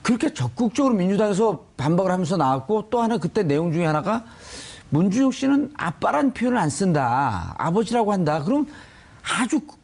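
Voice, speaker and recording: Animated male host with a mellow, higher voice. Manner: probing, poses pointed questions. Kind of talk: panel discussion of political news.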